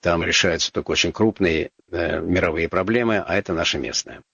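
A man's voice: deep voice, brisk, vocal fry, pushed and bright, husky, no room sound, dull audio. A man hosting a call-in radio talk show, chatting casually with ironic asides and plenty of filler words. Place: radio studio.

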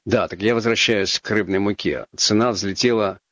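Male talk radio host, deep bass, dry studio sound, ironic, chatty, lots of hedging fillers. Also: fairly even intonation, moderate pace, a bit bright, no echo, dull audio. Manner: ironic, wry asides with frequent fillers. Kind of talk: casual call-in radio talk.

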